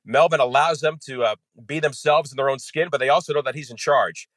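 A male play-by-play announcer speaking at a medium pitch, working through his points in a steady, measured flow of detail. The recording is dry and close, with no room sound around him. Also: no room sound. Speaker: baseball radio play-by-play announcer, guest. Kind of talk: podcast interview guest, analysis.

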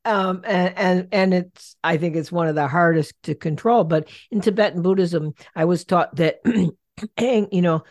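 Low-voiced woman host, stammery and animated, dry sound. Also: dry recording. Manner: animated, halting, many restarts and stammers. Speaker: podcast host. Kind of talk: casual conversation.

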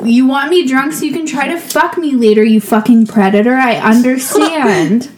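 A woman's voice: high voice, moderate pace, darkish tone, slight background noise. A young woman co-hosting a podcast, trading crude, laughing banter in casual chat. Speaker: podcast co-host.

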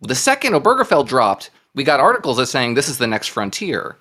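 A man's voice: mid-range voice, brisk. Man ranting on a politics podcast, voice swinging up and down a lot. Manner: emphatic, animated argument. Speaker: podcast panelist. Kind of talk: political discussion.

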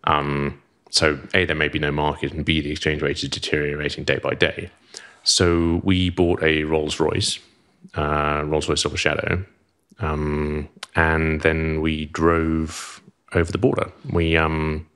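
A middle-aged man with a Zimbabwean accent and an extremely deep, low voice. He tells his story casually as a podcast guest, rambling and swearing freely. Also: little pitch movement, unhurried, few pauses, a bit bright, clear, resonant tone. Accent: Zimbabwean English.

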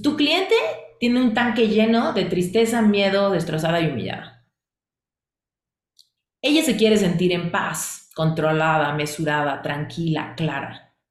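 A woman coach teaches a class, stacking questions and repeated phrases to drive each point home. Her voice sits slightly low. It rings in an echoey room. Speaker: coaching instructor.

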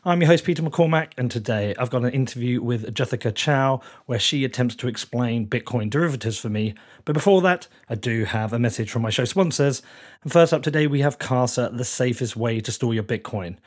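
Croaky, hoarse English podcast host, male. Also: medium pitch, brisk. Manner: informal, direct address to listeners. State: losing his voice. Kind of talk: podcast intro and sponsor reads.

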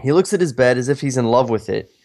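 A man's voice: medium pitch, lively intonation, fast, darkish tone. A man co-hosting a podcast, chatting casually and reading a screenplay aloud, with a self-mocking, profane way of talking. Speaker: podcast co-host.

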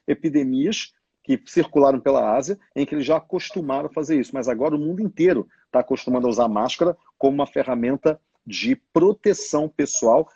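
A man's voice: mid-range voice, warm tone, husky, no room sound, muffled recording. A man talking business trends in a casual, emphatic way, often voicing what others might think. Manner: colloquial, emphatic, acts out others' thoughts. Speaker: business educator.

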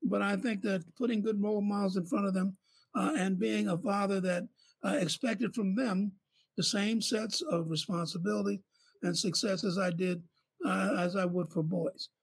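Gravelly high-voiced man, halting host. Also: fairly even intonation, poor audio. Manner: halting, with many fillers and restarts. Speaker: physician and show host. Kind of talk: panel discussion.

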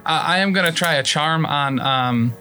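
Playful higher-voiced player. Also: male voice, moderate pace, pushed and bright, soft background music. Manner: playful, asks hypotheticals. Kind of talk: casual tabletop play.

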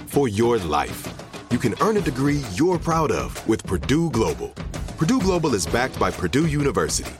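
Guy reading a motivational ad, voice moves a lot, music behind. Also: mid-range voice. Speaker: ad announcer. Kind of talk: earnest scripted ad read. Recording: ad voice-over with clear music bed.

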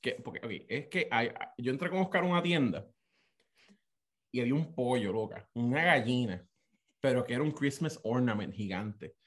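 A man's voice: medium pitch, normal speed. A man telling a story in casual, profane chat and acting out other people's lines. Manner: animated and profane, acts out voices.

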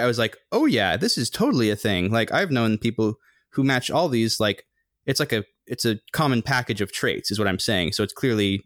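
A young man co-hosting a podcast, rambling casually with a slightly monotone, humming voice. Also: dry recording, studio quality. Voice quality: somewhat monotone, humming low resonance. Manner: rambling, thinks aloud with many fillers. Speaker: podcast co-host. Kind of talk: casual chat.

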